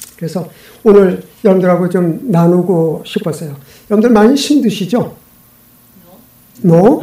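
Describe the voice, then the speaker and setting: Pausing long and often, a man with a high pitch talks at a fairly slow pace with ordinary pitch variation. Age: 70s. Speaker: pastor. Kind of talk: sermon. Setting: church. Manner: conversational, interactive with congregation.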